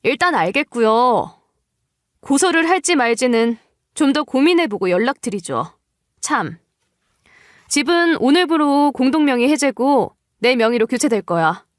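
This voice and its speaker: Woman playing wronged wife, firm, curt, sarcastic, high voice, dry audio drama. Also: lively intonation, a little slow, dry recording. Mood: firm, dismissive.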